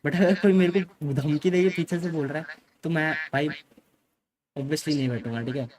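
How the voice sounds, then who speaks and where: Telling a story to his viewers in a relaxed way, a young man talks emphatically, slips in English phrases, and keeps saying "okay" as filler. His voice is fairly high and steady at a normal speed, with a crowd audible behind him.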